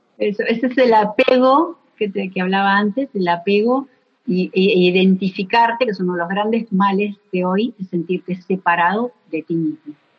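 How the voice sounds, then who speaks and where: A woman speaks at a moderate pace with a somewhat breathy voice. Her pitch sits in the middle range. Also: ordinary pitch variation. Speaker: acupuncturist and holistic coach. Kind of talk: interview conversation.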